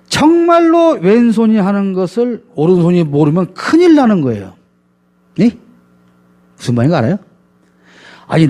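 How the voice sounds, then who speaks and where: Pastor, man, preaching with emphatic rhetorical questions in a fairly high voice. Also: darkish tone. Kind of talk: sermon.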